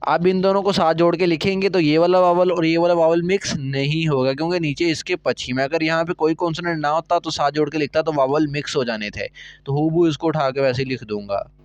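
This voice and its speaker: A man's voice: a little high, fairly even intonation, fairly quick, dry recording. A man teaching a recorded Korean lesson, explaining step by step and often checking that students follow. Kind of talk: recorded language lecture.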